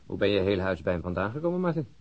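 A man's voice: sits low, lo-fi sound, background noise. A man playing an easygoing, curious police detective with an informal manner in a naturalistic radio drama.

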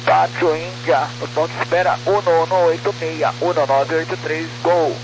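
A man's voice: on the high side, fairly even intonation, moderate pace. A man working as a pilot, giving clipped procedural readbacks in aviation phraseology over a crackly, military-style radio. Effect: crackly military-style radio transmission. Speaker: airline pilot. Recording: crackly, noisy aircraft radio link.

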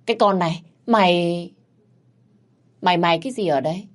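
A woman playing a shrill, cursing old village shrew. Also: moderate pace, close to an everyday voice. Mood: furious. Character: foul-mouthed scheming old village woman.

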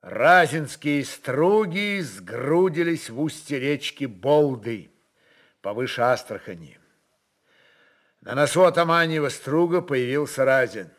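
A man narrating a literary story in an expressive, dramatic reading style. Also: mid-range voice, takes it slowly.

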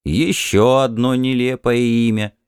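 A man's voice: mid-range voice, steady tone, a little slow, darkish tone, clean tone, dry recording, clean studio sound, close to an everyday voice. A man voicing an irritable, dismissive Martian husband in an audiobook, curt and scornful. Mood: irritated, scornful.

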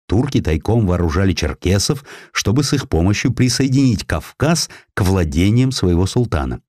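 Male narrator for historical audiobook: low register, lively dramatic delivery, dry studio sound. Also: no room sound. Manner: theatrical, expressive storytelling.

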